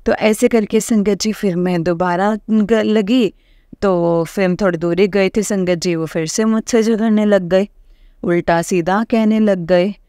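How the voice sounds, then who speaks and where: A middle-aged woman sharing a personal testimony with a congregation, halting and full of pauses and fillers, addressing her listeners respectfully. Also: mid-range voice, fairly even intonation, mellow, smooth, no echo, clean studio sound.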